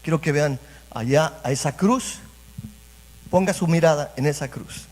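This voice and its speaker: A man's voice: fairly high pitch, unhurried, a little mellow. A man preaching a sermon as pastor, repeating phrases and speaking straight to the congregation. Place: church sanctuary. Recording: reverberant church hall.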